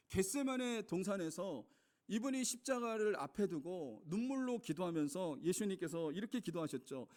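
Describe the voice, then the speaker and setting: A man's voice: high voice, darkish tone. A male pastor delivering a sermon, earnest and emphatic, repeatedly addressing the congregation. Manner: earnest preaching, rising to emphatic peaks, addresses congregation as "여러분".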